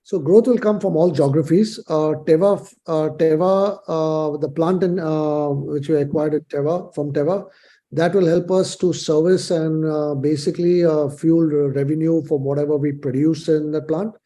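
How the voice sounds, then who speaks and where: A male company executive fielding investor questions. His voice is very soft-edged and dark, fairly high yet even in pitch, and he phrases things haltingly and carefully. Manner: halting, hesitant, measured phrasing. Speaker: company executive answering analysts. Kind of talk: earnings call answers.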